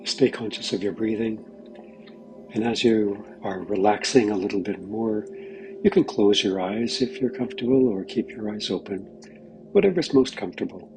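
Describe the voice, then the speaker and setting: A man leading a Christian guided meditation in a gentle, unhurried way, often pausing mid-phrase. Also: lowish voice, rough recording. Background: background music.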